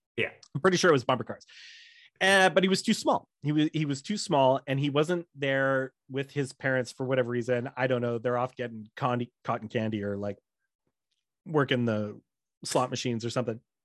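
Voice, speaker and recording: A man with a Canadian accent talks at a fairly quick pace in an ordinary speaking voice, medium in pitch with ordinary variation. The sound is dry and close, with no echo. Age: 40s. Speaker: podcast co-host. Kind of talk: casual chat.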